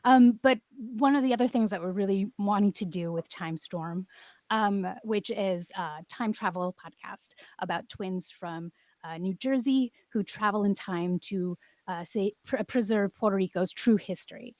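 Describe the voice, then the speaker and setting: A woman's voice: medium pitch, a little mellow, dry recording. A woman speaking as a panel guest, explaining her creative project with enthusiasm.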